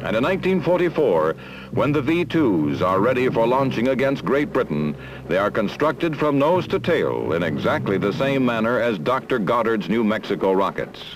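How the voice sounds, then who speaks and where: A man's dramatic voice at a moderate pace, very wide pitch swings, very even loudness, dry sound with no echo, and noticeable background noise. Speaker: documentary narrator. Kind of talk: 1970s newsreel narration. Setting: studio voiceover over film footage. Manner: formal, authoritative, measured, dramatic announcer delivery. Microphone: old recording.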